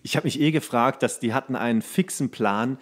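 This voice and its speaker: A man of ordinary pitch talking into a podcast mic in an easy, unscripted way. He circles through his stories, stops and restarts, and drops in fillers as he goes. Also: fairly quick. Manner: rambling, anecdotal storyteller. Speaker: podcast co-host. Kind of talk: casual chat.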